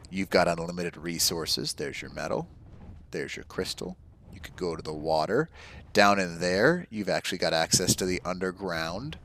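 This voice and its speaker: A man's voice: sits low, a bit bright, a little hiss or hum. A man hosting a game walkthrough, talking viewers through spots on the map in an enthusiastic, casual way. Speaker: gaming channel host.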